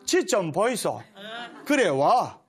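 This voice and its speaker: A woman's voice: mid-range voice, sing-song, takes it slowly, a crowd in the background. A man quoting a young bride with a Gyeongsang accent in a sermon joke. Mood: calling.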